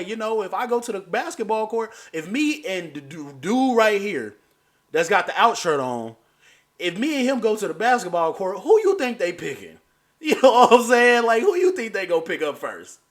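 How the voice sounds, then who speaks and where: A man hosting a reaction video, talking in a loose, animated way and laughing through his points. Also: high-pitched. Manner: animated, keeps saying "you know what I'm saying". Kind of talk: casual chat.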